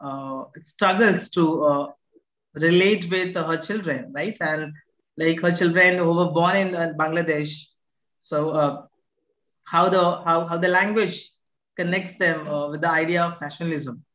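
A man's voice: on the high side, fairly even intonation, a little slow, a bit bright. Hesitant young man on an echoey call. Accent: Indian English. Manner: hesitant, frequent "uh". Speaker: participant asking questions. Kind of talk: question at an online discussion. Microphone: video call. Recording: echoey, muffled video call audio.

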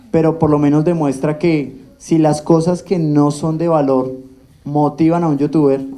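Man with a dark, mellow voice. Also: a little high. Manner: earnest, addresses the audience directly. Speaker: event host. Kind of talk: talk to students. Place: large lecture hall with an audience. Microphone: handheld microphone.

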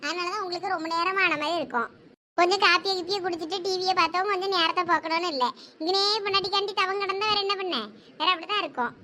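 A caring village housewife with a Thoothukudi accent, played by a woman in a homespun village drama. Her very high voice runs on fast and coaxing, soothing and talkative. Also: fairly even intonation, pushed and bright. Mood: reassuring. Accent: Thoothukudi Tamil. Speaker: village wife.

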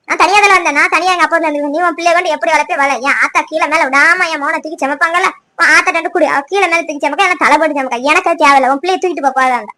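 A woman voicing a quarrelsome young village wife in a cartoon, with a Tirunelveli Tamil accent and a rapid, scolding way of talking. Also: extremely high pitch, sharp tone.

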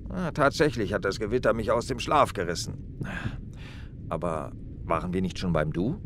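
A middle-aged actor playing an easygoing, wry police detective on a night train, calm and paternal. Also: male voice, moderate pace, natural voice. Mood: gentle. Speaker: police detective in a radio crime play. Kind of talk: radio drama acting. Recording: train rumble under dialogue.

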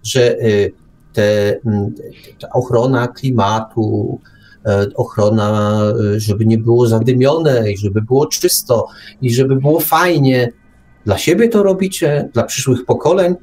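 A man's voice: medium pitch, measured pace, a little mellow. A man hosting an opinionated radio discussion, putting rhetorical questions straight to his listeners. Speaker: talk show host. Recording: music under the talk. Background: music.

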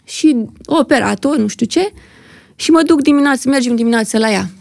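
A young woman with a slightly high, gravelly voice recounts a personal story as a podcast guest. She tells it vividly and with drama, slipping into the voices of the people involved, and the close, dry studio microphone picks up every rasp. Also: expressive, darkish tone, no echo. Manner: vivid, dramatic retelling, acting out what others said. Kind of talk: emotional personal storytelling in conversation.

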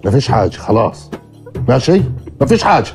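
A man's voice: mid-range voice, big pitch swings, fast, music in the background. An actor playing an anxious man who asks urgently and then soothes, with an Egyptian accent, in a TV drama. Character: anxious man calming a woman. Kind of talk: TV drama acting.

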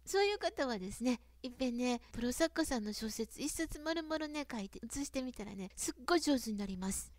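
A novelist with a Kyoto accent giving a chatty, casual writing lesson to camera. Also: female voice, on the high side, expressive, fairly quick, no echo. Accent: Kyoto Japanese. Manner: chatty, frequent dialect sentence endings.

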